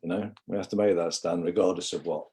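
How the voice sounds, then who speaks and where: A man's voice: deep voice, steady tone, fast, mellow, breathy edge. A man from England giving a rambling, impassioned livestream monologue, often calling viewers "guys".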